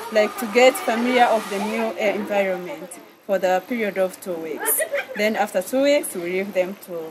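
A woman talks at a medium speed, her pitch rising and falling in an ordinary way, with background noise that is easy to notice. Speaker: sanctuary guide. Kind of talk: interview answer. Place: open country.

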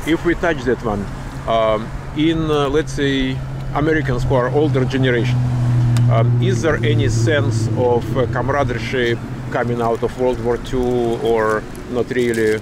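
A man's medium-pitched voice at a moderate pace, dry with no echo, over noticeable background noise. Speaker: interviewer, blogger. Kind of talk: interview questions. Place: street. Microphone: phone near.

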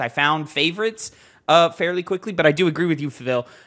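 Over a quiet background, the voice has a bright, sharp tone and moves at a fairly quick pace. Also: man. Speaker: gaming podcast co-host. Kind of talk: casual chat. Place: studio. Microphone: studio mic.

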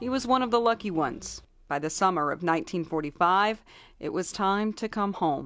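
A woman with an ordinary speaking voice, medium pitch, lively intonation and a fairly quick pace, on a very clean recording with a silent background. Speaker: TV reporter. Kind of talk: TV news narration.

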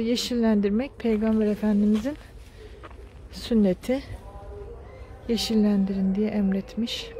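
A woman talks fairly slowly in a fairly high, monotone voice, the sound dry with no echo and light background noise behind her. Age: 40s. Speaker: vlogger. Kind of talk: vlog narration. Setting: outdoors. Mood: calm, reflective, religious. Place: open country. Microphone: phone near.

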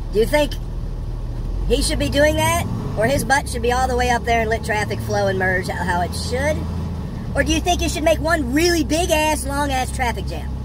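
Noticeable background noise surrounds a moderate pace of speech. The sound is dry, with no echo. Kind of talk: casual vlog chat. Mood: irritated, complaining. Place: car. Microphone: phone near.

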